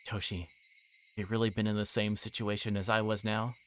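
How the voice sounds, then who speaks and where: A man livestreaming a visual novel, reading it aloud and chatting to viewers in a hesitant, halting way. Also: lowish voice, level tone, fairly bright tone, a little hiss or hum.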